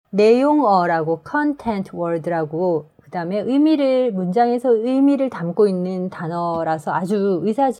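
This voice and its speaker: Korean woman teaching English pronunciation. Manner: explains step by step, stresses key words higher and louder. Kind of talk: online language lesson.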